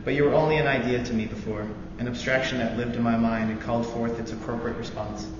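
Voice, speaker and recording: This young American man, a student veteran, has a medium-pitched voice. He stumbles through an introduction packed with fillers before reading a novel excerpt with steady earnestness. The recording is noisy, dull, and lo-fi, made in a spacious hall with lots of echo.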